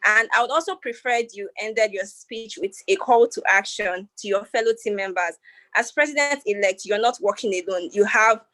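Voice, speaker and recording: A woman evaluates a speech with measured praise. Her voice sits in a middle range. The sound is dry and close. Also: mid-range voice, pushed and bright, dry recording, low-quality recording.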